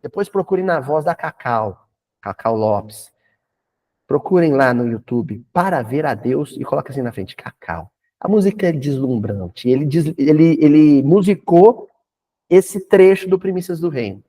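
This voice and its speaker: A man with a Brazilian Portuguese accent giving a spiritist talk in a folksy, animated way, with humorous asides. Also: fairly high pitch, unhurried. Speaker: spiritist lecturer.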